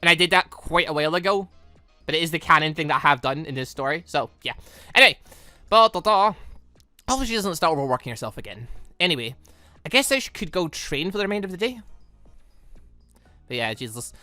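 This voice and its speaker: Guy doing a let's play, chatty n rambly, sharp bright voice, faint music behind him. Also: a little high, lively intonation, fast, long pauses, dry recording. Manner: rambling, self-correcting, informal. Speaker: gaming video host. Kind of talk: casual let's-play commentary.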